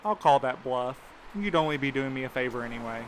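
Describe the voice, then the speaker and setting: A weary male night worker played by an actor, mid-pitched and sardonic, grumbling through audio drama dialogue. There is a faint bed of noise behind him. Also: lively intonation, a little fast, natural voice. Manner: sardonic, complaining.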